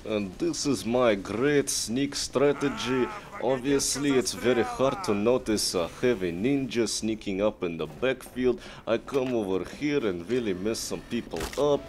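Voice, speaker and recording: A man's voice: mid-range voice, a little slow, lightly acted. A man voicing a boastful Russian heavy gunner in broken English with a Russian accent, giving comic commentary on a video game. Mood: boastful, pumped. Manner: broken English, mock-serious bragging. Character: boastful, vodka-loving Russian heavy gunner, big sneaky ninja. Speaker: gameplay commentator. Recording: noisy game sound behind voice. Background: video game combat noise.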